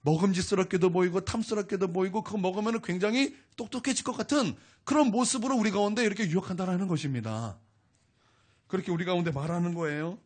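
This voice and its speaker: A man's voice: sits high, quick pace, a little mellow. A man preaching a sermon as pastor, emphatic and repetitive, putting questions to the congregation. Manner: emphatic, repeats phrases, asks the congregation questions.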